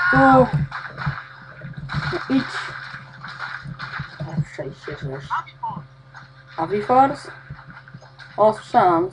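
A woman's voice: lowish voice, background noise. A woman playing a video game, talking to herself and swearing constantly as she gets lost and frustrated. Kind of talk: swearing gameplay commentary.

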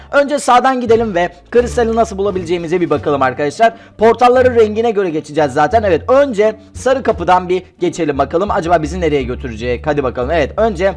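A young man giving excitable Let's Play commentary, chatty and prone to frustrated outbursts. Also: sits high. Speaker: gaming YouTuber.

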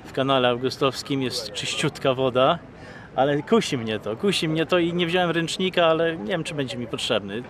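A man in his fifties talking casually in an outdoor interview, relaxed and chatty with fillers. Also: a little high, a little fast. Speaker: band member interviewed. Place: outdoors by a lake. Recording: crowd noise behind.

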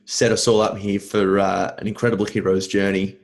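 Low-voiced male podcast host. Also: little pitch movement, fairly quick. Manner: friendly, hesitant, many ums. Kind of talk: casual interview chat. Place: home room, indoors. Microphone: video call with earphone mic.

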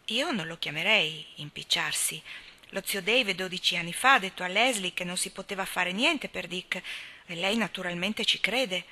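A woman reading aloud, voicing a calm, firm young male doctor who reasons patiently. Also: lowish voice, moderate pace. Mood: reasoning. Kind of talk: audiobook character reading.

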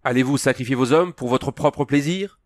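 A proud young noblewoman, commanding and urgent, as a male narrator puts her on. Her voice rides noticeably higher and louder, pressing her demands in a close, dry storybook reading. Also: a little slow, dry recording, natural voice. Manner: imperious, insistent pleading.

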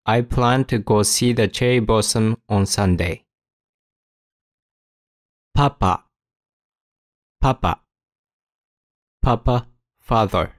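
Slow, low-voiced male language teacher. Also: no echo, studio quality. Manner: slow, careful enunciation with repetition. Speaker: Japanese teacher. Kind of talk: vocabulary lesson with repeated example sentences.

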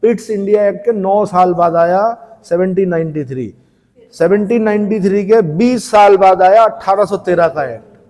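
A male teacher with a northern Indian Hindi accent lectures a class, drilling each point by firing it back as a question. His voice sits fairly high yet mellow in tone. The recording carries a long hall reverb. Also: normal speed. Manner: folksy storytelling asides.

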